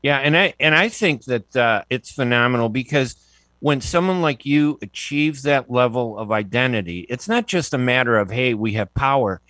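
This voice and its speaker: Older male radio host, rambling and conversational, mid-pitched, dry close sound. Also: expressive, moderate pace, a bit bright, dry recording. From United States. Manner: chatty, digressive, many restarts. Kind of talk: radio interview.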